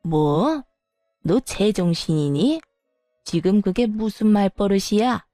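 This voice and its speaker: A woman's voice: mid-range voice, a little slow, mellow, dry recording, studio quality, faint music behind, lightly acted. A woman doing a whiny old mother-in-law. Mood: indignant. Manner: whining, indignant.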